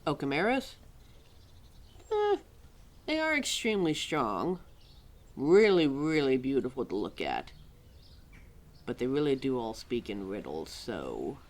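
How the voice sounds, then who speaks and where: A woman's voice: rumbling low, pitched below the performer's own voice, full character voice. A woman playing an exasperated, opinionated keeper of forgotten lore in an ad-libbed audio roleplay, chatty and sarcastic as she talks straight to the listener. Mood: wry, casual. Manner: sarcastic, chatty, heavy sighs and mimicked quotes.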